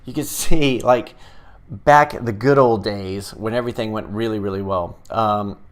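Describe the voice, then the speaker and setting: A middle-aged man hosting a casual live stream, chatting loosely with many pauses and restarts. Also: fairly low pitch. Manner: rambling and hesitant, many fillers and restarts. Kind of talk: casual live-stream chat, reading viewer comments.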